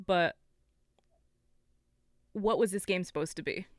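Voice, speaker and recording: A woman's voice: fairly low pitch, takes it slowly, crowd noise. A woman on a gaming podcast panel bantering casually, with wry, blunt remarks.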